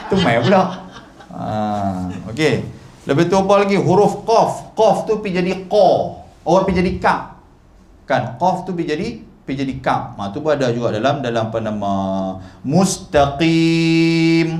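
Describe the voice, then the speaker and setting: A man's voice: fairly high pitch, a little mellow, echoey room. A male religious teacher giving a chatty mosque lecture, modelling Arabic letter sounds. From Malaysia. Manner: chatty, demonstrative, repeatedly modelling Arabic pronunciation.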